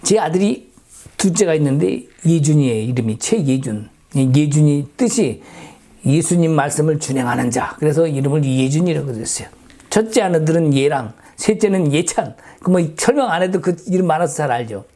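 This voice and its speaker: A man's voice: fairly high pitch, expressive, moderate pace, mellow. A middle-aged man, a pastor, preaching a sermon in a conversational way and asking his listeners rhetorical questions. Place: church in the Silicon Valley area.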